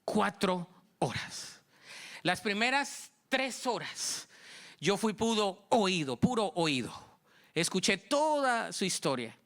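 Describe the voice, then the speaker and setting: A Colombian man preaches in church with a high, bright voice. He tells his story with lively energy, acting out both sides of each conversation. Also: slow. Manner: storytelling, acting out dialogue, animated. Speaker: pastor. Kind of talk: sermon.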